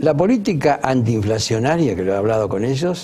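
Using very wide pitch swings, a man talks at a moderate pace with a Rioplatense accent. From Argentina. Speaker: economist; guest. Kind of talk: economic analysis interview. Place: studio.

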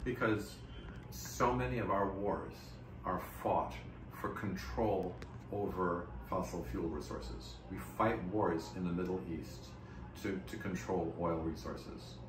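Amid noticeable background noise, a man with a very deep, low pitch talks fairly slowly with very wide pitch swings and long, frequent pauses. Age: 60s. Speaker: cellist and climate activist. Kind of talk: interview answer. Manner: hesitant, many fillers. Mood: earnest, concerned. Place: home room.

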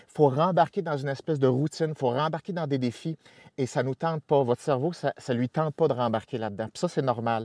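The sound is dry with no echo over a quiet background. A man with a Quebec accent speaks at a fairly quick pace and a fairly high pitch. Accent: Québécois French. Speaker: speaker and content creator; speaker, content creator. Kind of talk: promotional announcement. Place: studio. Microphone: lapel.

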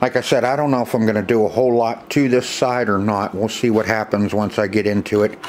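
Light background noise sits behind a man who speaks at a moderate pace with fairly even intonation. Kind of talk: casual tutorial narration. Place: workshop. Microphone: phone near.

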